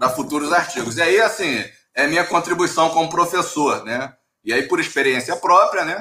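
A man talks with a high pitch. His pace is moderate. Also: ordinary pitch variation. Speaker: actuarial professor. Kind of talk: live webinar presentation. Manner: halting, many repetitions.

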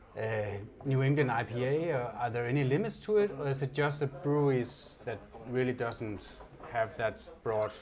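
In a Danish accent, a man with a medium pitch and ordinary pitch variation speaks with long, frequent pauses over noticeable background noise. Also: moderate pace. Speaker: podcast host, beer blogger. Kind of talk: interview. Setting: in a bar.

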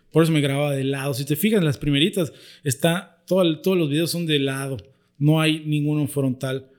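A man with a Yucatecan accent, fairly high-pitched, at a fairly quick pace. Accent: Yucatecan Mexican Spanish. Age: 30s. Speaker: chef and social media content creator. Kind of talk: casual interview chat. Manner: colloquial, casual.

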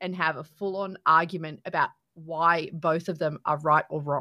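The voice has a bright, sharp tone and an Australian accent. It moves at a moderate pace. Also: woman. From Western Sydney.

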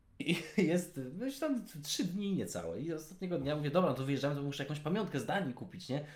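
A man talks at a very fast pace in a fairly high voice with very wide pitch swings. Noticeable background noise is present. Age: 20s. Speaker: comedian. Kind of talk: casual chat.

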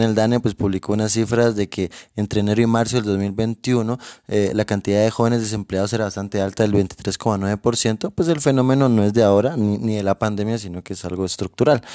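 A fairly low, dark and mellow male voice at a fairly quick pace with hardly any pauses, dry and close with no echo, on a very clean recording with a silent background. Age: young. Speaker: podcast host. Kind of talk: casual chat. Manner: halting.

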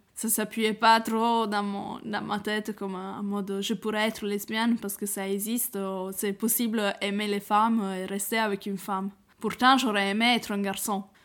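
In an Italian accent, a woman speaks at a moderate pace with monotone, flat intonation. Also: medium pitch for a woman. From northern Italy (Piedmont). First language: Italian (speaking French). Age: 20s. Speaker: queer community activist. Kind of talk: testimony.

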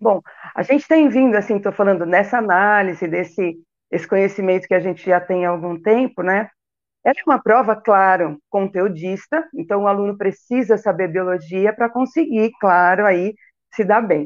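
At a moderate pace, a woman of medium pitch uses an ordinary speaking voice with ordinary pitch variation. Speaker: biology teacher. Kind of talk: educational interview. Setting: live stream.

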